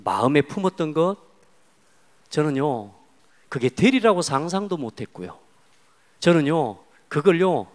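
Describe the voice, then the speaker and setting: Korean pastor preaching in a reverberant church. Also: male voice, a little high. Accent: Jeolla Korean. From South Jeolla, Korea. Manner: storytelling, swings from hushed to loud emphatic. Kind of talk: sermon. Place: church sanctuary. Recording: long church hall reverb.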